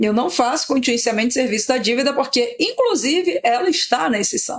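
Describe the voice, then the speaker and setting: A woman at a moderate pace, high in pitch, with very wide pitch swings. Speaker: exam prep teacher. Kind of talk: exam prep tutorial. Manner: animated.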